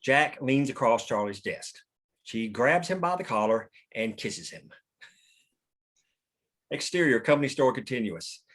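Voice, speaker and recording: A man narrates a script at a table read. His voice is of average pitch. He delivers each short stage direction in a plain, matter-of-fact way. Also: expressive, unhurried, pauses often, fairly bright tone.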